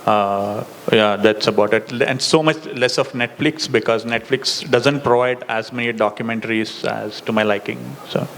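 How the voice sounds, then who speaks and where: Deep-voiced South Indian man, echoey hall. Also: moderate pace, hardly any pauses, fairly bright tone. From Karnataka, India. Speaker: symposium panelist. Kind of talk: on-stage rapid-fire interview answers. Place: large indoor hall with audience. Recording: echoey hall, noisy room sound.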